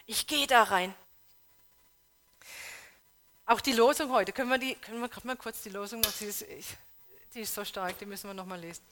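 This woman's sermon is delivered fast in a steady, medium-pitched voice, with slight background noise behind her. She earnestly questions her congregation, alternating between loud pleas and quiet, hushed stress.

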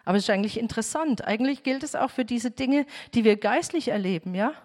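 A woman's voice: fairly high pitch, animated, quick pace, a little mellow, big-room sound. A woman teaching a home bible group, speaking earnestly and addressing her listeners directly.

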